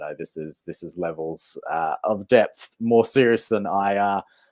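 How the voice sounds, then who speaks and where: This man has a fairly low pitch. He speaks with an Australian accent. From Australia, Sydney. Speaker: geopolitics commentator, former political staffer. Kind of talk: interview conversation.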